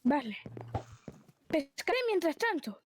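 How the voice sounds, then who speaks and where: A high-voiced woman chats casually over a game. She reacts in short exclamatory bursts with very lively intonation. Faint noise and clicks sit behind her. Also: takes it slowly. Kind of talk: casual excited gaming chat.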